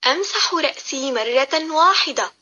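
A woman giving scripted instructional narration for young children, reciting each step in a measured, clear way. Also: sits high, animated, pushed and bright, lo-fi sound. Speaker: teacher narrator.

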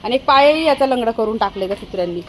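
High-pitched chatty woman vlogger. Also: lively intonation, very fast, slight background noise. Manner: chatty, calls out to dogs often. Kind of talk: casual home vlog talking to pets and viewers.

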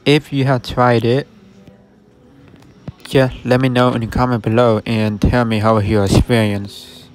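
Soft background music and faint traffic accompany a man outside a shopping center storefront, casually showing viewers a closed restaurant. Speaking directly to them as a vlogger of shuttered stores, he sounds mid-range, level, measured, and matter-of-fact.

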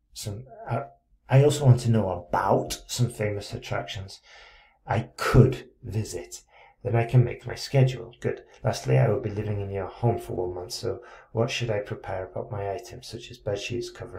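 A man's voice: lowish voice, gravelly, mellow. A man tutoring English writing, reading a student's letter aloud and stopping to correct it, with frequent check-ins and encouragement. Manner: reads student text aloud, breaks off to comment. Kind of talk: essay correction screencast.

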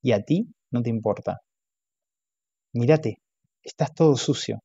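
A man's voice: medium pitch, a little slow, gravelly, mellow, husky, dry recording. A man voicing a hurt, angry wife with a clipped, martyr-like manner, in a dull, dry audiobook recording.

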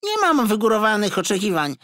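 A man's voice: high-pitched, huge pitch swings, brisk, pushed and bright, voice pushed up, exaggerated voice. A man voicing a boastful, jittery talking rat, a cheeky sidekick in a children's audiobook. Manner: cheeky, stammering when flustered.

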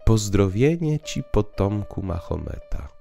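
A man voicing a courteous, gently mocking knight in an audio drama, speaking formally and reasonably. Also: lowish voice, big pitch swings, unhurried, creaky, full character voice. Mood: hailing, curious. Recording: piano music underneath.

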